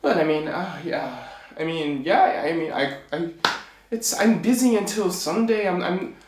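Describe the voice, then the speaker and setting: A man's voice: high-pitched, expressive, a little slow, echoey room, a little hiss or hum, voice pushed up. A man voicing a meek, simple little tailor in a storybook tale, hesitant and flustered. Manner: hesitant, rambling, stammering.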